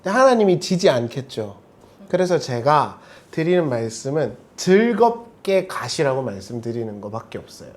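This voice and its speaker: A man's voice: medium pitch, sing-song, moderate pace, a little mellow. A man preaching a sermon as pastor, talking casually with jokes and acted-out quoted lines. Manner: conversational, jokey, acts out quoted lines.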